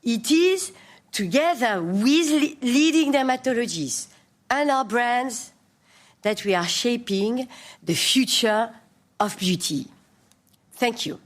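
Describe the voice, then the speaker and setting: A woman giving a prepared business presentation as a company executive, deliberate and pausing between phrases. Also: fairly high pitch, animated.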